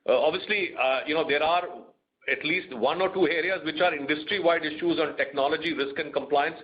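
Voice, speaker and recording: A man with an Indian accent answering questions as a bank executive on an earnings call, in a measured, explanatory way. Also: on the high side. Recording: muffled conference call audio.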